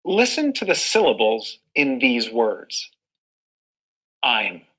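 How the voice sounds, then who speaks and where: Slow, bright example voice for dictionary-style pronunciation, played back from a distance. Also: mid-range voice, huge pitch swings, breathy edge. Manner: slow, deliberate, word-by-word enunciation.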